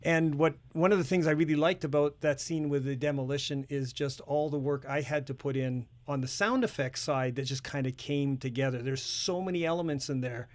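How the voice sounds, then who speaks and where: A man's voice: on the high side, fairly quick, hardly any pauses. A man talking casually in a studio as a member of a radio production team. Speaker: radio drama sound producer.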